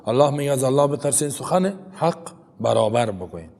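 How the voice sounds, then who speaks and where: Animated and a little mellow, this medium-pitched man with an Afghan Dari accent teaches Quran commentary in a roomy-sounding space. After reciting verses in Arabic, he unpacks them conversationally, often adding a rhetorical "right?"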